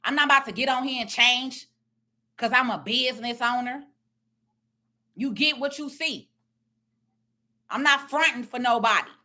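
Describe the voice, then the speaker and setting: Loud middle-aged woman, blunt commentary, bright forceful tone, sits a little high. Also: moderate pace, long pauses. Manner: confident, emphatic, plain-spoken. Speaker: tax and business strategist. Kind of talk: blunt social media commentary.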